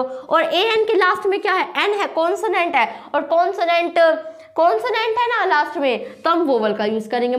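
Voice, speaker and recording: High-voiced woman teaching grammar. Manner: quizzes listeners with repeated questions, spells words aloud. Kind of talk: classroom-style grammar lesson.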